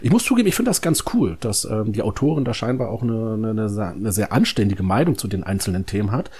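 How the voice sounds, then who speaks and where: Husky man giving a book critique. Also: on the low side, sing-song, a little mellow. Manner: critical, halting, rephrases often. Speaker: podcast discussion panelist.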